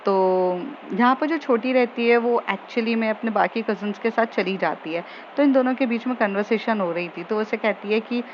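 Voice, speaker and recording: A woman's voice: on the high side, moderate pace, hardly any pauses. A woman casually retelling a romantic story scene by scene, quoting the characters' lines, with frequent fillers. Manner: chatty, retells scenes with quoted dialogue and fillers. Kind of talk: casual spoken story recap. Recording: dull lo-fi audio with faint noise.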